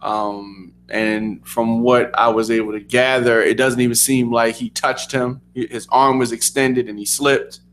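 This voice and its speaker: A man co-hosting a casual sports talk radio show, relaxed and easygoing, pausing often with ums. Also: mid-range voice, slight background noise. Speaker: co-host.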